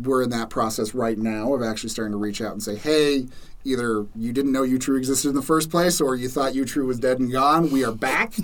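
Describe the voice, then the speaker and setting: This man has an ordinary speaking voice with an American accent. He talks at a fairly quick pace and medium pitch, with ordinary pitch variation. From US, Salt Lake City, Utah. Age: 30s. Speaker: transit advocacy group director. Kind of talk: casual interview. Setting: studio.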